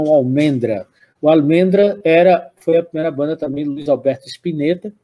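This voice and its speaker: An older Brazilian man speaking Portuguese with a Brazilian accent, hosting a music program off the cuff. His voice is husky and mellow, pitched a bit high for a man, and he wanders through his thoughts with frequent restarts and little tag questions. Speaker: music show host. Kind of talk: unscripted spoken commentary.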